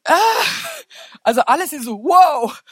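A woman preacher giving an informal, humorous sermon in an animated, colloquial storytelling manner. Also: sits high, a little slow, dry recording, studio quality.

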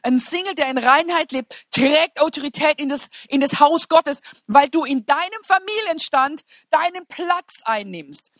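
A woman preacher giving an informal, humorous sermon in an animated, colloquial storytelling manner. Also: sits high, measured pace, few pauses, no echo.

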